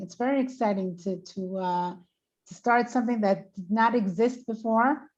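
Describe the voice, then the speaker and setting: A woman with a New York accent speaks at a fairly slow pace with fairly even intonation. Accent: American (New York). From New York, US; moved to Israel as a child. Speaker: rabbinic leader and educator. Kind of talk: interview. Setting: video webinar. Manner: halting, many fillers and repetitions.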